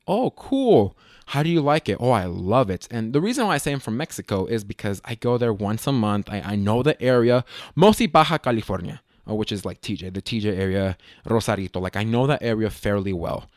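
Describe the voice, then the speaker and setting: A man's voice: on the low side, lively intonation, fast talker, darkish tone, no room sound, studio quality. A young man from Las Vegas telling a travel story in a rambling, slangy, self-correcting way. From Las Vegas, USA. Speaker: vlogger. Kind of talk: casual storytelling.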